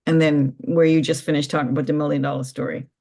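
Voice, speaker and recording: A man on a group call, talking casually with halting questions and comments. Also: a little high, little pitch movement, darkish tone.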